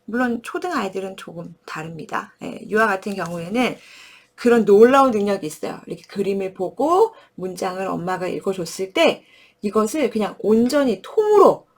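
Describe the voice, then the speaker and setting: Lively, animated Korean mother teaching parents. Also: mid-range voice, brisk. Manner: animated, acts out words with lively gestures and sounds; often checks in with listeners by asking "right?". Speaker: early-childhood education presenter. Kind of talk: friendly parenting lesson.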